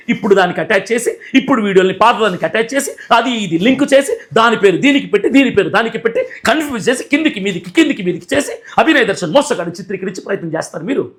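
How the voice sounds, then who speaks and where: High-voiced indignant man scolding. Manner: indignant, scolding, repetitive rhetorical questions. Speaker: Christian activist and YouTuber. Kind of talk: angry video rant.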